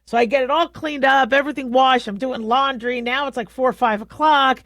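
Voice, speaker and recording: A middle-aged woman hosting a radio talk show, telling a rambling story in a casual way and acting out her pets in high squeaky voices. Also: steady tone, a little fast, fairly bright tone, dry recording, studio quality.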